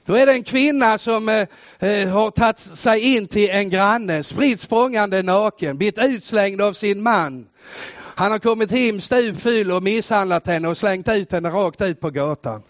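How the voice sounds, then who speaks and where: A man preaching a sermon with fervor, rising to shouts and dropping to quiet storytelling. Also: sits high, no echo, highs cut off. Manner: fervent, builds to shouts, then drops to quiet storytelling.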